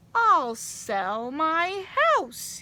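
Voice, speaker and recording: A woman puts on a squeaky character voice with a high pitch and very wide pitch swings. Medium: read story.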